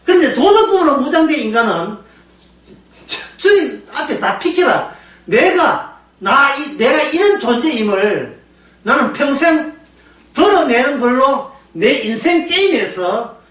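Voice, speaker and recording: Lively male pastor, casual lecture-sermon delivery, recorded off-mic in a roomy space. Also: very high-pitched, unhurried. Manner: lively, conversational, laughing often, acting out prayers. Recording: echoey room, voice from far off the mic.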